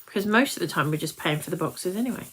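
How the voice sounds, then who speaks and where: A woman's voice: fairly low pitch, expressive, fast, fairly bright tone, slightly rough, poor audio. A British woman in her late forties hosting a live craft demonstration, chatting and rambling as she breaks off to talk to viewers. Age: late 40s, nearly fifty. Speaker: craft tutorial host.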